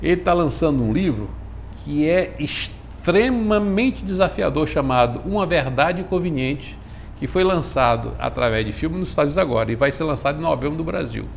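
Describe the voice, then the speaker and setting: At a moderate pace, a man talks with audible room echo around him. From Brazil, Ceará (Fortaleza). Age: 60s. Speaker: retired university professor and former rector. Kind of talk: TV interview. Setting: studio. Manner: halting.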